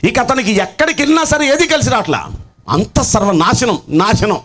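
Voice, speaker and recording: Give me a middle-aged pastor preaching with lively storytelling and a high voice. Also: male voice, brisk. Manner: animated storytelling, mixing in English words. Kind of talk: sermon.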